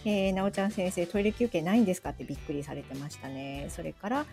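A woman's voice: on the low side, quick pace, vocal fry, warm tone, soft background music. A woman with Japanese as her first language hosts a casual live-stream chat, reading out listener comments and slipping into English. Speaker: podcast host.

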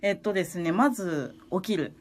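A woman's voice: on the low side, animated, normal speed, a little hiss or hum. Playful Tokyo-born woman chatting. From Tokyo, Japan. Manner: playful, laughs often, chatty. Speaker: guest singer-songwriter. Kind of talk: casual chat.

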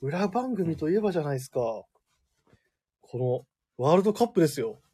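Fast-talking joking male radio host. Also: a little high, very animated, mellow, breathy edge. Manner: fast, joking, laughs often. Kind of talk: casual live radio chat. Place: radio studio.

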